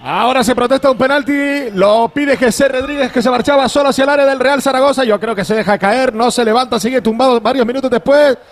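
A man's voice: extremely high pitch, fast talker. A man reporting live on a football match for the radio.

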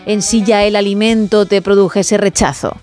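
A woman hosting a late-night call-in radio show, chatty and quick to laugh. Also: medium pitch, fairly even intonation, a little mellow, faint music behind. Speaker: radio host.

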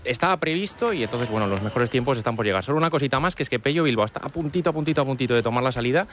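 A man from Spain with a mid-pitched voice analyses cycling live on the radio at a rapid pace. His delivery is conversational and explanatory, with emphatic repetitions. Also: expressive, a bit bright, slight background noise. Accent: Spanish from Spain.

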